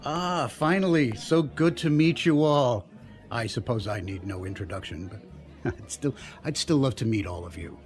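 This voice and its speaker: A man's voice: medium pitch, lively intonation, normal speed, natural voice. Pompous senator in an echoing hall, played by a man. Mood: smug charm. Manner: pompous, politician's formal delivery. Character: smooth self-important male senator courting donors. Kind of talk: full-cast audio drama acting, speechmaking. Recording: echoey hall reverb, music behind.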